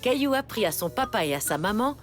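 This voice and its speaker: A woman narrating a scripted children's cartoon story in an expressive storytelling manner. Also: a little high, quick pace. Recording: music behind the voice.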